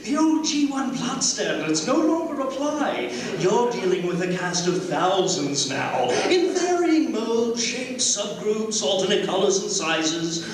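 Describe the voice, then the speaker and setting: A sarcastic, world-weary robot warlord drawls theatrically in a high-pitched voice that swoops up and down. He performs a villain's part in a live dramatic reading, heard in a very echoey hall. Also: big pitch swings, measured pace, hardly any pauses, crowd noise. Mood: mocking. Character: weary, sardonic villainous male robot general. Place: live convention stage in a hall. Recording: echoey hall, distant, clearly noisy.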